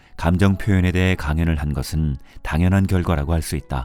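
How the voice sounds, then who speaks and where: Music plays in the background as a man with a very deep, low pitch talks at a moderate pace with ordinary pitch variation. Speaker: voice actor. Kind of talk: audiobook reading.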